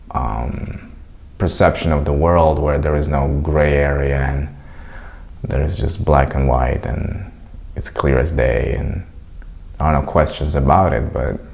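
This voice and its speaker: Vlogger, young man, very low gravelly voice, unhurried, hesitant and reflective. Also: a little mellow. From Crimea, Ukraine. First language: Russian. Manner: hesitant, searching for words. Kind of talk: reflective personal monologue.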